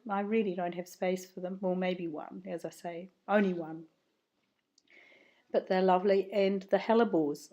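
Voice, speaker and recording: A woman with a croaky voice, chatting enthusiastically as a vlog host. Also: medium pitch, mellow. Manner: chatty, enthusiastic about plants. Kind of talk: casual vlog narration.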